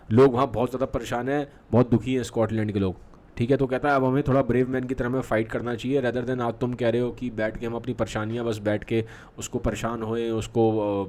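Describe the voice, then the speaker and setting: A man's voice: medium pitch, darkish tone, slight background noise. A male literature teacher explaining a play in a Hindi and English mix, checking in often with the class. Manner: reads quoted lines slowly with fillers, frequent "theek hai".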